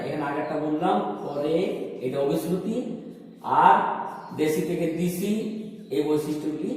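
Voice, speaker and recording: A man giving a lecture, explaining step by step and answering his own questions. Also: sits high. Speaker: teacher. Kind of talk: recorded lecture. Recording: echoey room with long reverb.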